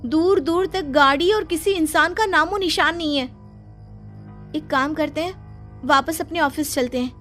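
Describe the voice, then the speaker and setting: A woman voicing a timid, jumpy young woman office worker who frets anxiously in a very high voice. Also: moderate pace, a bit bright, faint music behind. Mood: worried. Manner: anxious, fretful.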